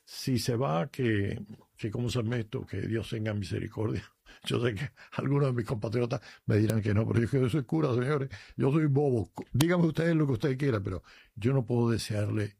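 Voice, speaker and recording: Un sacerdote cubano con acento cubano, que habla con fervor y cuenta anécdotas personales en un programa de radio. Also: male voice, mid-range voice, moderate pace, creaky, warm tone, husky. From Cuba. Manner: earnest, emphatic, tells personal stories. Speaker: priest, regular guest. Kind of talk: radio chat on faith.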